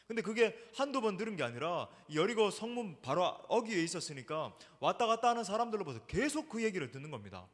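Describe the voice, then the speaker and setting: A male pastor preaches with a high, lively voice that swings up and down for emphasis. He keeps calling out to the congregation. His voice carries a long reverb through a church sanctuary. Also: fast talker, few pauses. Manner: emphatic, addresses the congregation often. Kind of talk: sermon.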